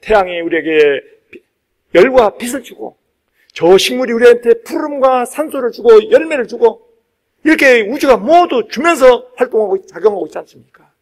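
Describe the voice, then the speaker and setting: A man, a Buddhist monk, preaching to a congregation in an emphatic, exhortative way, repeating key phrases and pausing for weight. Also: very high voice, animated. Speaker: Buddhist monk giving a dharma talk. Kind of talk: sermon to a live congregation.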